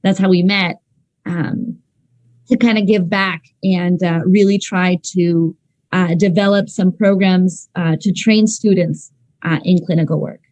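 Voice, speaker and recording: A woman's voice: fairly low pitch, steady tone, a little slow, a little mellow, dry recording, rough recording. A woman from Ecuador, a clinical psychologist, giving an online seminar talk over a video call in a conversational way with um fillers.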